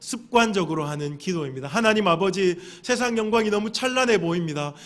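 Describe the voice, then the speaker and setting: A man's voice with lively intonation at a moderate pace, with audible room echo. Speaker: pastor. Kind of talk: sermon. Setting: church.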